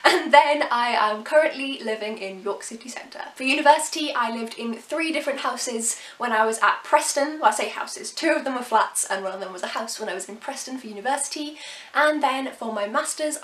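A woman in her twenties with a slightly softened received pronunciation accent, chatting casually to camera as a vlogger, laughing often and throwing in quick asides. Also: on the high side, animated, echoey room. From England. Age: 20s.

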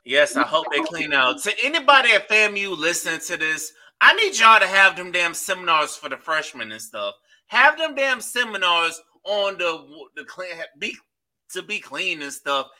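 A man hosting a podcast in casual chat, loose and profane and quick to laugh. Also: sits high, very animated, sharp tone. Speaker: podcast host.

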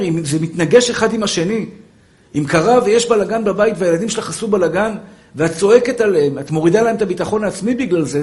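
A man with a high voice delivers a fervent sermon in a roomy, echoing space. He pleads with his listeners and calls them brothers and pure souls. Now and then he softens into gentle, coaxing asides. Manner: fervent preaching with sudden soft, coaxing asides. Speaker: rabbi.

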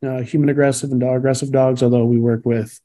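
A Cuban-born dog trainer rambles through his story as an interview guest, giving casual answers packed with fillers and laughing between tales. His medium-pitched voice is fast and mellow, with little pitch movement.

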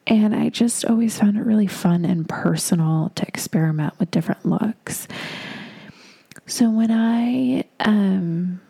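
A woman's voice: medium pitch, a little slow, creaky, mellow, slightly rough. A young woman who spoke Russian first, hosting her own podcast and rambling chattily about her life. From Moldova. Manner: chatty and rambling, with frequent likes and you-knows. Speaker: podcast host, makeup artist. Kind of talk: casual solo podcast monologue.

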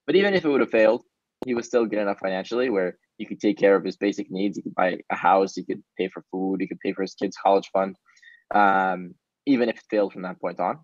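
A startup founder, a man whose native language is Hebrew, answers interview questions casually and earnestly, often pausing with "um." His voice is lowish, and the recording is dry and a little dull, with no room sound.

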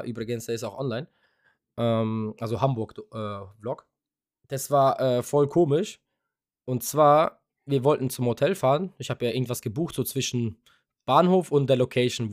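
A man's voice: medium pitch, a little mellow, no room sound, studio quality. A young man co-hosting a podcast, telling a long casual story with lots of fillers and offhand swearing. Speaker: podcast co-host. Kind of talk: casual chat.

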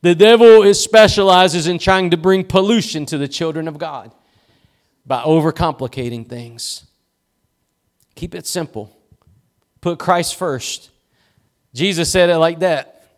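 A man's voice: on the high side, slow pace, pauses often. A male pastor preaching a sermon in a church, with emphatic repeated cadences and rhetorical questions.

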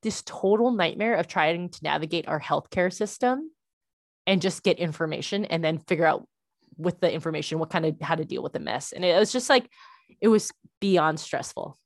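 A young adult woman, a parent, telling a frustrating story in casual chat, animated and full of "like" fillers. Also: on the low side, moderate pace, no echo, studio quality.

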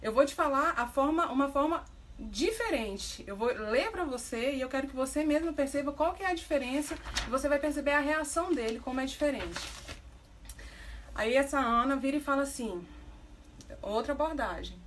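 A woman's voice: sits high, moderate pace, distant mic, slight background noise. A woman with a Brazilian accent teaching viewers about relationships as a coach, talking to them directly in a conversational way. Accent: Brazilian Portuguese. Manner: conversational, addresses listeners directly.

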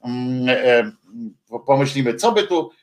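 A man hosting a radio show, talking in a halting, reflective way with many filler sounds between songs. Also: mid-range voice, animated. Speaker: radio host.

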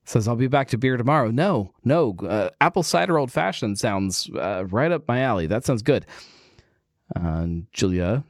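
A man's voice: lowish voice, dry recording, studio quality. A man hosting a casual beer livestream, easygoing and rambling, with lots of fillers as he reads viewers' messages. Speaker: livestream host. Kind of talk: casual chat.

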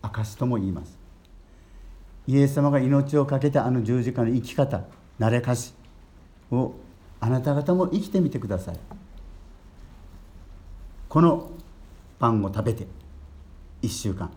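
An older man, a Catholic priest giving a gentle storytelling sermon and lifting his voice on key words. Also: mid-range voice, lively intonation, a little slow, pauses often.

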